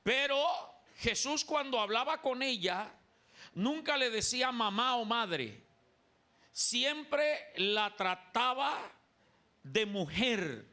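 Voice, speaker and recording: This Colombian pastor's voice is very high, bright and forceful, with lively intonation and a slow delivery. Preaching emphatically in a church sanctuary, he has the congregation repeat after him.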